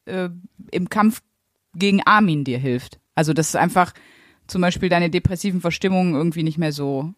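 A woman co-hosting a podcast, chatting casually as a lively storyteller with blunt, crude humor. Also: lowish voice, moderate pace, dry recording, clean studio sound. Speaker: podcast co-host. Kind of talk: casual chat.

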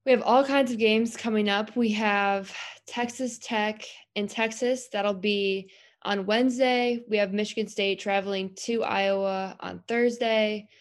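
A woman's voice: medium pitch, steady tone, a little slow. A woman in her twenties co-hosting a basketball podcast, easygoing, laughing often and using many "um"s. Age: 20s. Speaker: co-host of a college basketball podcast. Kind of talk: casual sports podcast chat.

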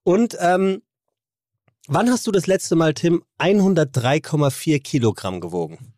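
A man's voice: a little high, sing-song, measured pace, darkish tone, no echo, clean studio sound. A man co-hosting a podcast, teasing his partner and steering the chat. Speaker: podcast co-host. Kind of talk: casual podcast banter.

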